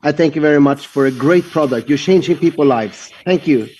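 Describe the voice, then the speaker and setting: A man's voice: fairly high pitch, fairly quick, a little mellow, husky. A man from Sweden speaking on a video call in a friendly, upbeat and thankful way. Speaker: call participant. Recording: muffled online call audio.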